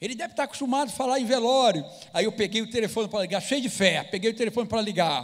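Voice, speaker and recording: A man is speaking. He talks at a very fast pace. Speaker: preacher. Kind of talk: sermon. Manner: halting.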